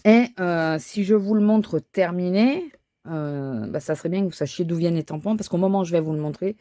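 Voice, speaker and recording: A woman's voice: lowish voice, fairly quick, dark tone, dry recording, studio quality. A woman thinking aloud as she crafts, talking casually with frequent fillers and restarts. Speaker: crafting vlogger. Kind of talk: casual chat while crafting.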